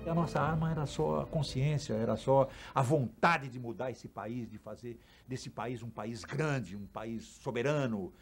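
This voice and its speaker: A man's voice: medium pitch, a little slow, hardly any pauses, breathy edge, faint music behind. A man recalling events in an earnest documentary interview, stressing his words. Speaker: interviewee, former student activist.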